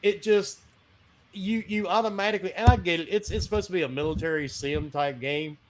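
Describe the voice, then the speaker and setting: A man's voice: high-pitched, fairly quick, background noise. A man co-hosting a casual gaming podcast, telling stories with a laugh. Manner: laughing, animated storytelling. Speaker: podcast co-host.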